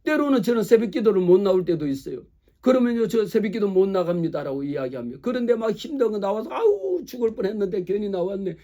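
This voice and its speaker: Male pastor, sermon. Lively preaching to the congregation, high and mellow voice. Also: quick pace. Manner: animated preaching, acts out quoted voices; speaks directly to the congregation with rhetorical questions.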